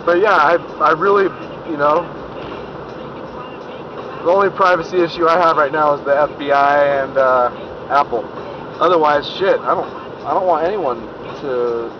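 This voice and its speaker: Rambling man in a car, dull dashcam sound. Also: a little high. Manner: rambling, relaxed, restarts often. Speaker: vlogger driving and filming. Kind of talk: casual chat while driving. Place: inside a moving car. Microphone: dashboard camera. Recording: dull lo-fi dashcam audio with road noise.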